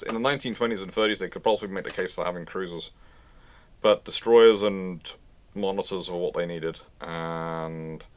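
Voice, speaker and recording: Man, rambling live commentary. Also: deep voice. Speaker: host of a live naval history question stream.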